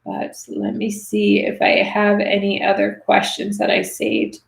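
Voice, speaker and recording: A woman in her thirties chats loosely through a livestream, with plenty of fillers, and her voice is getting raspy. There's a gravelly fry under her mid-pitched talk, and the room gives back a noticeable echo. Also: monotone, a little slow. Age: 30s. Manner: chatty, reads viewer comments, many fillers. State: voice going raspy. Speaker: livestream host answering money questions. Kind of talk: casual livestream chat. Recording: roomy echo.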